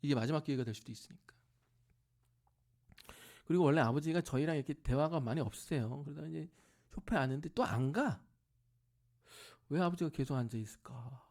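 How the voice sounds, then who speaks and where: A man's voice: on the high side, fairly quick, pauses often. A middle-aged man preaching as a pastor, telling a personal family story and acting out voices, sometimes dropping to a near-whisper. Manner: acts out family members' voices in lively bursts, drops to near-whisper at tender moments. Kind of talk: sermon storytelling. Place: church sanctuary.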